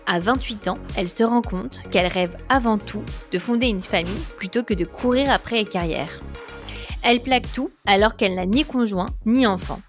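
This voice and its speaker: A woman hosting a podcast, reading a scripted intro and asking interview questions with an upbeat manner. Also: medium pitch. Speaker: podcast host.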